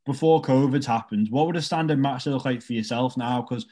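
A man's voice: mid-range voice, a little fast, warm tone. A man asking questions as the interviewer in a casual, conversational chat.

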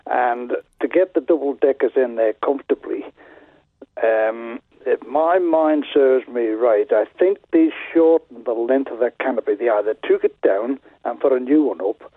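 Halting male caller on a muffled phone line. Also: mid-range voice, dry recording. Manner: halting, pondering. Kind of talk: casual phone call to a radio show. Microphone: telephone.

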